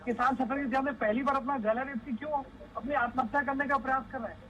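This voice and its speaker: A man's voice: very high-pitched, steady tone, fast talker, fairly bright tone, dull audio, a little hiss or hum. A man speaking as an opposition spokesperson in a TV debate, pressing accusing questions in a combative way. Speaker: opposition party spokesperson on a TV panel. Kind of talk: political TV debate.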